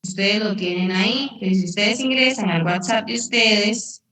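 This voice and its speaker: A woman's voice: medium pitch, moderate pace, pushed and bright. A female English teacher, patiently explaining a lesson and quizzing her class. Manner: patient, repeats and asks the class questions. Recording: echoey room, distant mic.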